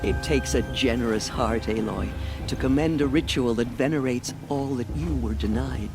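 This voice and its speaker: An actress playing an elderly tribal matriarch in a video game, speaking formally, deliberately and gently. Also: female voice, rumbling low, music in the background. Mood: measured, careful. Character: elderly tribal matriarch, kindly, solemn and measured. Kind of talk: solemn video game acting.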